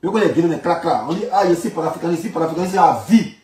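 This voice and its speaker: A man's voice: on the high side, animated, very fast, warm tone, a little hiss or hum. A man with an Ivorian accent giving informal political commentary, colloquial and repeating phrases for emphasis. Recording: echoey room, distant from microphone.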